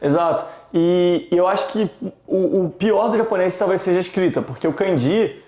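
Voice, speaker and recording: A man's voice: sits high, normal speed, a little mellow. A man, a podcast guest telling stories in a casual, reflective way, with many fillers and restarts. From Rio de Janeiro, Brazil. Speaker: podcast guest, startup founder. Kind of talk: casual interview chat. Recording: echoey room.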